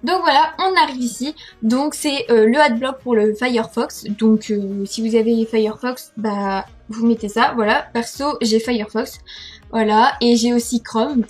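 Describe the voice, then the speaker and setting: A woman's voice: on the high side, husky. A young woman with a French accent casually walking viewers through websites on her screen, hesitant and full of fillers, laughing at herself. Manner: chatty, hesitant, many fillers and self-corrections. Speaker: vlogger. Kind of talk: casual screen-recording tutorial. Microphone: headset.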